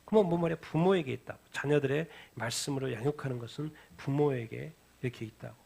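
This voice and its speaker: A man's voice: mid-range voice, fast, gravelly, darkish tone, breathy edge. A male pastor preaching a midweek sermon, asking the congregation questions, answering them himself, and repeating key phrases for emphasis. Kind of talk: midweek Bible-reading sermon. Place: church sanctuary.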